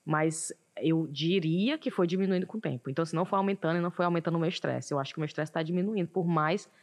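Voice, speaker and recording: A woman, a guest in an interview, telling her story in a reflective, animated way. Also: fairly low pitch, quick pace. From Northeast Brazil. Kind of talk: casual interview talk.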